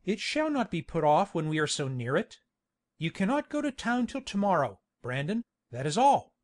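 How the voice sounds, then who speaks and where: A man's voice: sits high, big pitch swings, moderate pace. A man playing a hearty, pushy country baronet in a dramatised classic novel, blustering and insistent.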